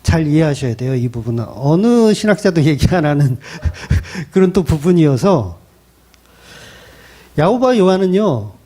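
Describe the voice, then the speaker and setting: A middle-aged male pastor preaching in a conversational way and posing rhetorical questions. His voice sits high and moves a lot in pitch, with a warm, mellow tone. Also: sing-song, normal speed. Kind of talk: expository sermon.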